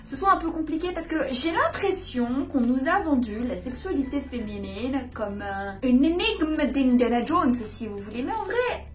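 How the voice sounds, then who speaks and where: A woman's voice: high-pitched, lively intonation, moderate pace. A woman coach talking casually to camera in a hyped-up, over-caffeinated way with emphatic bursts. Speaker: dating and seduction coach presenting her channel. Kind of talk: casual vlog explainer to camera.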